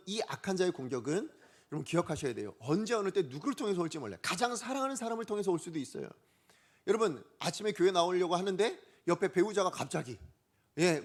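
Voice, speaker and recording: A man preaching a Sunday sermon as pastor, lively and full of questions to the congregation. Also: high-pitched. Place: church sanctuary.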